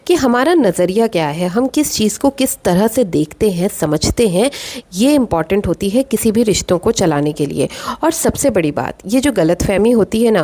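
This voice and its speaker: A woman's voice: mid-range voice, darkish tone. Woman, vlog host, casual commentary, opinionated and chatty, rhetorical questions. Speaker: vlog host reviewing other vloggers.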